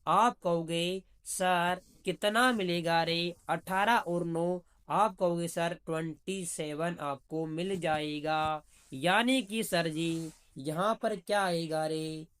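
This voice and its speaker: A man's voice: on the high side, slow, a bit bright, clear, resonant tone. A man teaching reasoning for an exam in a chatty way, asking questions and answering them himself. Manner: chatty, calls students "bhaiya", asks and answers his own questions. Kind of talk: exam-prep video lesson.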